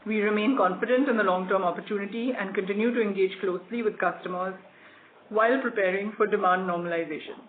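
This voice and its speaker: An executive reads a scripted earnings presentation in a formal, measured corporate way. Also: medium pitch. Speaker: company executive presenting quarterly results. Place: conference call. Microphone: phone or conference call line. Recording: phone-like conference line with clear noise.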